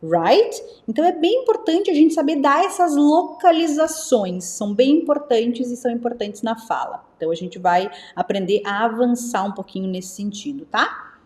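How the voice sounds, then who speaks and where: A young woman from teaching English live, lively and repeating words slowly for her students. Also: on the high side, reverberant. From Brazil. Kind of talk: live online English lesson.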